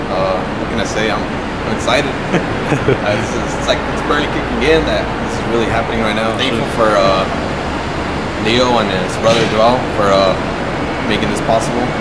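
Loud background noise under a man at a moderate pace. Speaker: vlogger. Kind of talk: casual vlog chat. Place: street. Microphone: phone near.

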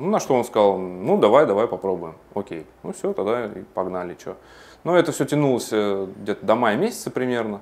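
A man's fairly low voice at a moderate pace, with lively intonation. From Moscow; Russia. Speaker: interviewee. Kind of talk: casual chat. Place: empty room. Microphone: lapel.

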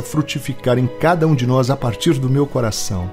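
Medium-pitched male voice at a fairly quick pace with ordinary pitch variation, music in the background. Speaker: voice-over narrator. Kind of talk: spoken prayer.

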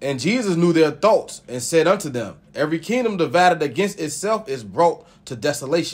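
With lively intonation and a fairly quick pace, a man talks at a high pitch with hardly any pauses. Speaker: scripture reader for religious organization; radio guest, religious teacher. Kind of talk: reading aloud. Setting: studio. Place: studio. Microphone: studio mic.

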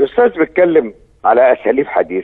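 With an Egyptian accent, a man speaks at a moderate pace. The background is quiet. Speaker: education professor; TV guest. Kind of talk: TV debate. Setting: remote link. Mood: critical, indignant. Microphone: lapel.

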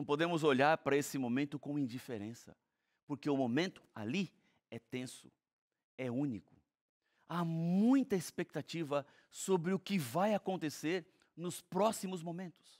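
Speaking in a Brazilian accent, the voice moves at a fairly slow pace with long, frequent pauses and lively intonation. The background is quiet. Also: man, fairly high pitch for a man. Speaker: preacher and TV Bible program host. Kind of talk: sermon-like Bible teaching to a TV audience, with direct pastoral appeals. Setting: TV studio. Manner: warm, earnest, reassuring; emphatic, with repeated phrases building to an emotional appeal. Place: studio. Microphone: lapel.

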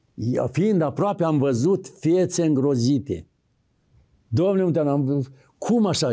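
The background is quiet as a man speaks at a fairly slow pace. His tone is dark and mellow, his intonation lively. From Moldova, Nisporeni district; Moldova. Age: 70s. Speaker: retired teacher and cultural activist; retired teacher. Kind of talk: interview testimony. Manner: halting, with many repetitions. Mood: animated, emotional recollection. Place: studio. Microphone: lapel.

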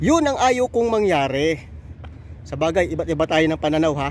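Lively intonation marks this man's speech at a moderate pace. The sound is dry with no echo, over light background noise. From Philippines. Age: 40s. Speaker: overseas Filipino worker vlogger. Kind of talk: casual monologue vlog. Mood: reflective, earnest advice. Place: open country. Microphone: phone near.

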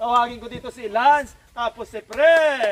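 An extremely high-pitched man's voice at a moderate pace, with noticeable background noise. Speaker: vlogger running a children's community channel. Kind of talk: casual vlog narration.

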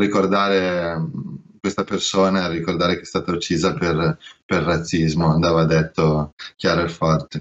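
The intonation is monotone and flat, at a moderate pace. Loudness stays very even throughout. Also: man, very deep, low pitch for a man. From Sicily, Italy. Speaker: street artist. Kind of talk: interview. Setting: video call from Barcelona. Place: home room. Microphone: video call.

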